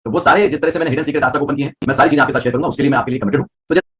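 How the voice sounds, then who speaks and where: Fast-talking male voice coach. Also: mid-range voice, fairly bright tone. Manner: explains with everyday examples and checks understanding. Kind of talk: live online class.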